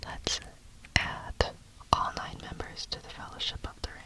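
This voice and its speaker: A person whispering close to the ear in an unvoiced ASMR tutorial style, with deliberate delivery, as a programming instructor. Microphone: close ear-to-ear stereo microphone. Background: computer keyboard typing.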